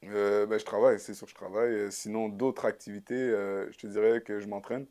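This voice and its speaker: A man's voice: lowish voice, level tone, fairly quick, dark tone. A young man from Canada, a guest musician, answering interview questions in an easygoing, casual way. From Sherbrooke, Canada. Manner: easygoing, laughs lightly.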